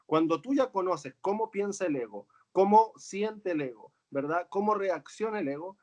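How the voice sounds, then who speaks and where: A man's voice: high-pitched, expressive, normal speed, darkish tone. A man, a coach and author, talking earnestly and reflectively in a conversation, often checking in with "¿verdad?". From Chile. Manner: earnest, tags phrases with "¿verdad?".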